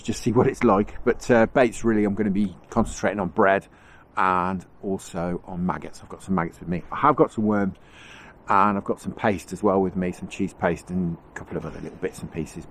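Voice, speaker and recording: A man's voice: low voice, steady tone, fairly quick. A man with a cold, sounding nasal and bunged up, chatting casually outdoors on a riverbank as he films his own fishing trip, rambling and chuckling as he goes. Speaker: angling vlogger. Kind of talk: casual on-the-spot commentary. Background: faint wind noise.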